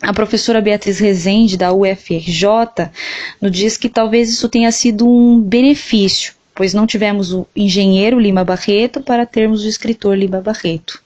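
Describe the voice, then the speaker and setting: Slightly muffled, lo-fi audio carries a Brazilian woman's voice at a middling pitch. She explains like a teacher, in a prepared lecture style. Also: fairly even intonation, normal speed, a little mellow. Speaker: literature teacher, interview guest. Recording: dull, lo-fi band-limited sound.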